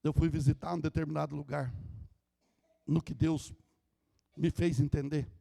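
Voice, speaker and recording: A man with a Brazilian Portuguese accent preaching a Pentecostal sermon as pastor, fervent and shouting at times, then hushed while telling a story. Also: fairly high pitch, steady tone, moderate pace, creaky. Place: large church hall. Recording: long church hall reverb.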